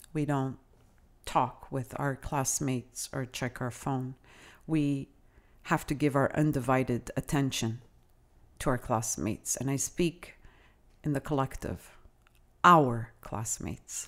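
In a very clean recording with a silent background, a woman with a Canadian accent speaks at a fairly slow pace and a very deep, low pitch, with fairly even intonation and long, frequent pauses. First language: Italian. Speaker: adult educator and lecturer. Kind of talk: interview. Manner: halting.

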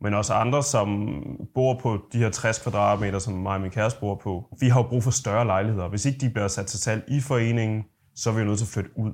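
At a fairly quick pace, a man speaks with a fairly low pitch and ordinary pitch variation in a very clean recording with a silent background. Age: 30s. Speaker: journalist and podcast host. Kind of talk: casual interview.

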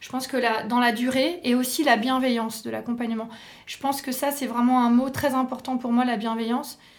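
This woman's voice is high-pitched and moves at a fairly quick pace. Her intonation stays monotone and flat. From France and Spain. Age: 40s. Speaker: artisanal food producer and entrepreneur. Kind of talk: interview. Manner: halting.

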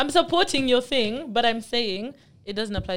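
A woman with an ordinary speaking voice uses lively intonation and keeps a moderate pace. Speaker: podcast guest. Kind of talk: casual chat.

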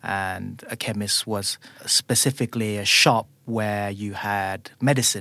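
In an RP accent, a man speaks at a fairly low pitch with a bright, sharp tone. His fairly slow delivery is monotone and flat, the sound dry and close with no echo. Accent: RP-leaning British. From London, England. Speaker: English teacher. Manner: clear, measured.

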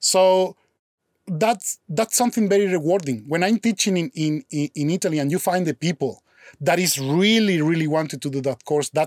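A man with a Spanish accent speaks at a fairly high pitch and a moderate pace. His pitch variation is ordinary, and the sound is dry and close with no echo. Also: very clean recording, silent background. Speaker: visual effects artist and teacher. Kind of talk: interview.

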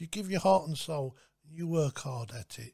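With lively intonation, the voice keeps a moderate pace. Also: man. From South London, Tooting. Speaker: veteran taxi driver. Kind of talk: casual chat. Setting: studio.

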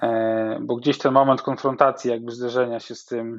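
Speaking at a moderate pace with fairly even intonation, a man uses an unremarkable speaking voice at a medium pitch. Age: 40s. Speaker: film producent and author recovering from addiction. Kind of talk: interview.

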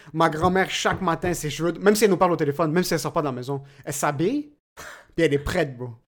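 An animated man at a very fast pace, fairly high in pitch, with ordinary pitch variation. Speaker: comedian. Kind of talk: casual chat.

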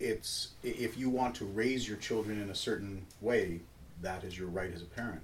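A man with a plain, everyday voice talks fairly low in pitch at a moderate tempo, his pitch varying in an ordinary way. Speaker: audience member asking questions. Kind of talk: Q&A discussion.

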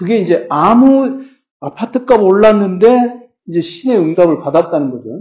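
A man speaks at a fairly slow pace. Audible echo fills the room. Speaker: philosophy lecturer. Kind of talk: lecture. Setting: church hall with audience.

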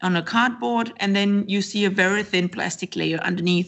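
A woman speaks with a non-native accent at a medium pitch. Her pace is moderate and her pitch varies in an ordinary way. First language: not English. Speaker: startup engagement manager. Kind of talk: interview chat. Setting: video call.

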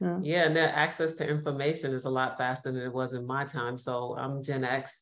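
A woman talks at a fairly quick pace, in an American accent, with hardly any pauses. Her pitch is very deep and low, and her intonation fairly even. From New York. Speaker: podcast host and organizational consultant. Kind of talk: interview, casual professional chat.

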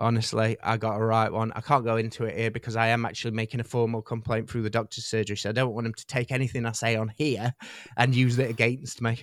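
In a Yorkshire accent, a man speaks at a very fast pace and medium pitch in a monotone, flat intonation, in a very clean recording with a silent background. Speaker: comedy podcast host. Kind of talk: comedic casual chat.

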